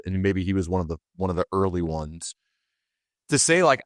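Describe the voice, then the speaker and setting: A man's voice: on the low side, dry recording, clean studio sound. A man, interviewing casually as a podcast host in an enthusiastic, emphatic way.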